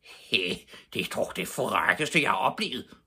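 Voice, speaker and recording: A man voicing an angry grown man shouting over a hedge about his flower bed, in a storybook reading. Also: on the low side, lively intonation, husky, exaggerated voice. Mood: indignant shouting. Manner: indignant shouting.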